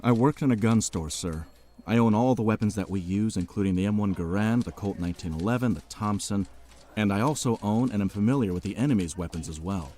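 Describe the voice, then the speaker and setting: A man's voice: fairly low pitch, fairly quick, dark tone, lightly acted. A man voicing a cocky, street-tough American soldier in his late twenties in an audio drama, respectful to rank but full of dry bravado. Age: 20s.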